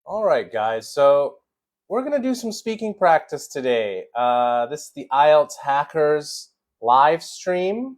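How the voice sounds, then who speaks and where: A man's voice: a little high, sing-song, slow pace. An American man from Chicago, an English teacher, chatting casually on a live stream and greeting viewers by name with many fillers. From Chicago, USA.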